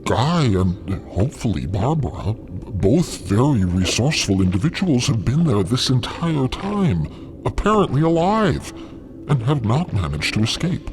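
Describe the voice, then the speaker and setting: A man's voice: mid-range voice, sing-song, unhurried, darkish tone. A man playing a courteous, cautious alien in an audio drama, with formal wording and hesitant stammers. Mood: grave, cautioning. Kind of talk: scripted audio drama acting. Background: music.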